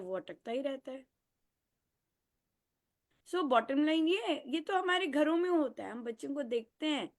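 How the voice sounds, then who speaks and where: A woman speaks to a devotional group in a fairly high voice. She is animated and acts out everyday quotes as she talks. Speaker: spiritual group facilitator.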